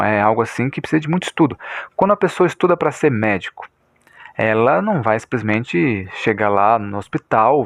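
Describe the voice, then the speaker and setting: A man's voice: mid-range voice, gravelly, no echo, clean studio sound. A Brazilian man giving informal religious commentary in a didactic, repetitive way, often checking that listeners follow.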